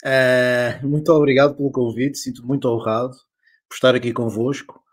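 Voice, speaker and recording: Portuguese investor on a panel, European Portuguese accent, polite, formal, filler-heavy. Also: male voice, medium pitch, little pitch movement, moderate pace. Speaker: venture capital investor.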